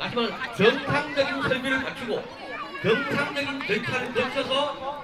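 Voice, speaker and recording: Over crowd noise and audible room echo, a man's raised, projected voice sits at an extremely high pitch with ordinary pitch variation. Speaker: protest committee organizer, former plant engineer. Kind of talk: protest rally speech. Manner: halting, with fillers.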